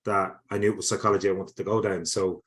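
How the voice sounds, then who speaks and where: A man's voice: low voice, little pitch movement, fast, a bit bright. A man with an Irish accent, a sports psychology lecturer answering interview questions in a casual, conversational way, often restarting and repeating words. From Ireland.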